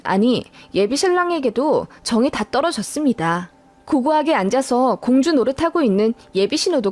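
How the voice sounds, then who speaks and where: A woman narrating a scripted radio-style story in an expressive way, acting out her own lines of dialogue. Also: a little high.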